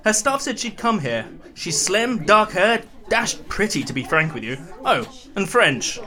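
A man's voice: high voice, big pitch swings, pushed and bright, exaggerated voice. A man playing a plummy squadron leader. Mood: brisk. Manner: plummy, gallant, brisk. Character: dashing British RAF squadron leader. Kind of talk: audio drama acting.

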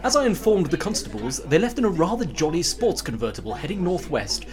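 A man's voice: a little high, sing-song, brisk, crowd noise. A man playing a prim waiter. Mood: deferential. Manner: deferential, dryly polite. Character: polite British hotel waiter. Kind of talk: audio drama acting.

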